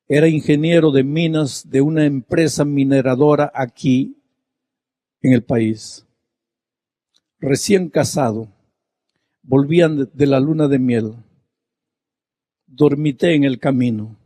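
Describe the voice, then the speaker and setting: A man's voice: dry recording, lightly acted. A man doing a broken, remorseful grieving man. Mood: grief-stricken. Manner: low, hushed and halting.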